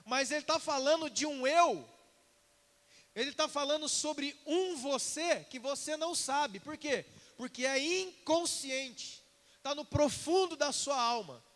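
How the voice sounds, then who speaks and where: A man preaching a sermon, lively and conversational, acting out little dialogues and asking the congregation questions. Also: very high voice, measured pace, in a large hall. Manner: animated, acts out quoted dialogue, asks congregation questions. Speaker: pastor. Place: church sanctuary.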